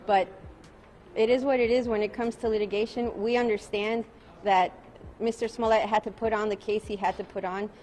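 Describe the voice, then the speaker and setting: A woman in her forties, an attorney, answering reporters' questions at a night press conference outdoors. She sounds tired and talks calmly, repeating each question before she answers. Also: medium pitch, normal speed, a little hiss or hum. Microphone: bank of press microphones.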